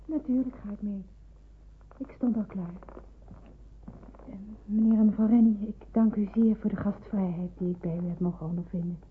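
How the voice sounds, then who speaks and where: A woman acting a brave, caring young Jewish nurse facing deportation in a Dutch radio play, speaking gently and earnestly. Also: medium pitch, fairly even intonation, normal speed, long pauses, close to an everyday voice. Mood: polite, earnest. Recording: tinny, band-limited, very noisy old radio recording.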